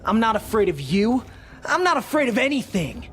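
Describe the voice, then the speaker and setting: An actor playing an arrogant young tribal bully in a video game, boastful and taunting. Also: male voice, sits high, big pitch swings, normal speed, a bit bright, heavily acted. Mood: sneering. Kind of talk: video game cutscene acting.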